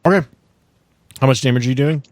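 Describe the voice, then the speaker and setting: A man's voice: mid-range voice, quick pace, no room sound. Casting: male game master, mid-range voice, casual narration and rules calls, dry close sound. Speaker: game master of an actual-play podcast.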